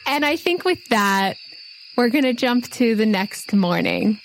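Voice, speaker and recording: A woman's voice: on the high side, big pitch swings, measured pace, creaky, soft background music, low-quality recording. A woman acting as game master, narrating a tabletop role-playing game in a conversational way.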